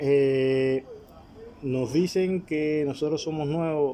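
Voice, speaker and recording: Intonation from this man stays fairly even. His voice is fairly high in pitch. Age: 40s. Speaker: Ifa priest. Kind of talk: informal lecture. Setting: temple.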